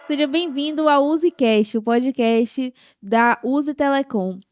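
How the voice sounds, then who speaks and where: A woman's voice: sits high, takes it slowly, a little mellow, soft background music. A woman in her twenties with a Brazilian Portuguese accent, hosting a conversational podcast interview. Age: 20s. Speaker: podcast host.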